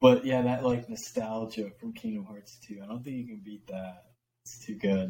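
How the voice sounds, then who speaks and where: A man speaks at a moderate pace in a dark, mellow tone, his medium pitch varying in an ordinary way. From Azores, Portugal; immigrant to US. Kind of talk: casual interview chat.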